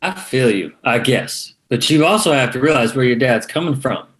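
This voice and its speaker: A man's voice: medium pitch, animated, moderate pace, fairly bright tone, lightly acted. Guy as sassy gay man around 31, chatty, voice goes up and down a lot. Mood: playful, sassy. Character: sassy, proud gay man aged thirty-one. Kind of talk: script table read.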